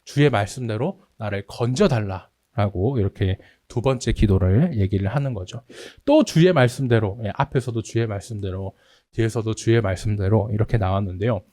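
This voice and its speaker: A man's voice: fairly low pitch, a little fast, mellow, dry recording, studio quality. A man preaching a sermon as pastor, acting out anguished prayers in a raised voice. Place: church sanctuary.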